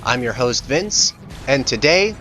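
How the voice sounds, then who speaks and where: A man's voice: medium pitch, very animated, unhurried, a bit bright, faint music behind. A man hosting a video game Let's Play with showy, sarcastic, scripted commentary. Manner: playful, sarcastic, showy intro delivery. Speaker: host of a Let's Play series.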